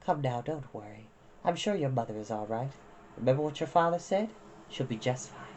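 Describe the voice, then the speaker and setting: A storybook narrator voicing a gentle elderly grandmother who talks slowly and soothingly to a crying child, in a slightly dull lo-fi recording. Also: medium pitch, lively intonation, slight background noise, close to an everyday voice. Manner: slow, soft and soothing.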